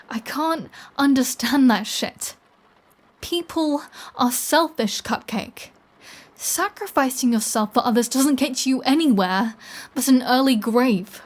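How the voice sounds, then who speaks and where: A woman playing a flirty, taunting, predatory vampire in an intimate audio roleplay, with a teasing, sardonic delivery. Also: a little high. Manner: slow, teasing, sardonic, casually profane.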